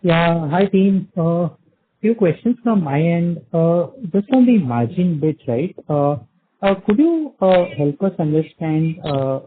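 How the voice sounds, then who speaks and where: A man, an analyst putting questions haltingly on a conference call. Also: a little high. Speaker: investment analyst asking questions. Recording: dull noisy phone connection.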